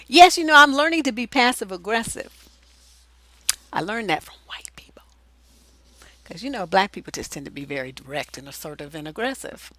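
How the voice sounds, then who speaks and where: A woman's voice: lowish voice, a bit bright. A middle-aged woman hosting a relationship advice livestream, talking bluntly and profanely with theatrical flair. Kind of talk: casual livestream advice chat.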